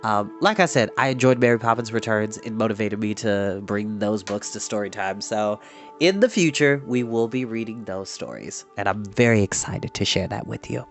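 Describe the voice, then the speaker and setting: A man hosting a storytime show, chatting to his audience in a theatrical, animated, exuberant manner. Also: lowish voice, normal speed. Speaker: storytime host reading books aloud. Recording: music behind the voice. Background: background ambience music.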